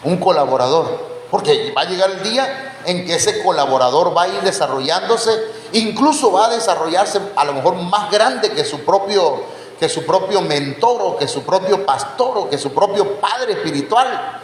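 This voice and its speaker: A man's voice: high-pitched, animated, normal speed. A man preaching a Bible teaching sermon, quizzing his congregation with questions and calling them brothers. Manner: addresses listeners as brothers. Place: church hall. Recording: echoey church hall, faint background noise.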